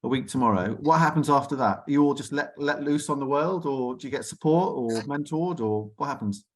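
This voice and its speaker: Guy chairing a relaxed online arts chat, rephrases himself a lot, conversational. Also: medium pitch, fairly quick. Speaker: host of an arts network online discussion. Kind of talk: informal chairing of a group conversation. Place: online video call.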